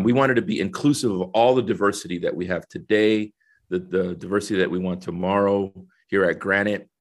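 A middle-aged man from El Salvador, a guest in a conversational interview, explaining things earnestly and step by step. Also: on the low side. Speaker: guest, corporate diversity executive.

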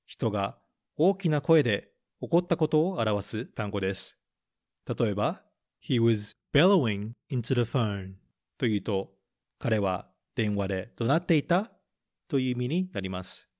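In a mid-range, darkish voice, a man reads a picture book aloud, taking the English lines slowly and carefully before giving the Japanese translation. He then switches to a podcast host's plain teaching tone to explain the English phrases in this bilingual storybook lesson.

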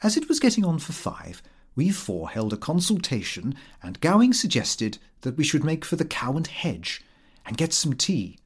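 A man reads a comic Victorian diary aloud. His pitch swings very widely, and he sounds prim and put-upon, with a theatrical way of telling it. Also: huge pitch swings, normal speed, slightly rough. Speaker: audiobook narrator. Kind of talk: animated scripted narration of a comic Victorian diary.

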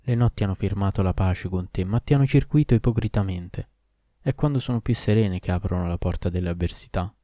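A man's voice: low-pitched, brisk, dark tone, no echo, studio quality, lightly acted. A man voicing a scolding wife in a storybook reading, reproachful and insistent. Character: scolding, sharp-tongued wife.

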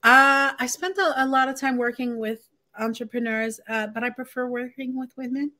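A woman from Montreal, a native French speaker, speaks as a guest on a video call. She talks in an animated, expressive way, full of fillers and repeated words. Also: high voice, normal speed. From Montreal, Quebec. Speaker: guest, personal development coach. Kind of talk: casual interview conversation.

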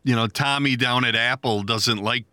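Podcast co-host, middle-aged man, bright, forceful voice, dry close sound, animated joking delivery. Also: medium pitch, moderate pace, no room sound. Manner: joking, animated, laughs often. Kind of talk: casual chat.

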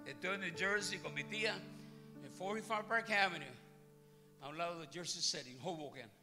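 A man's voice: sits high, moderate pace. A man preaching a comic sermon as pastor, joking and teasing his congregation. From Puerto Rico. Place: large church hall. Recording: live church hall with music. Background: music playing.

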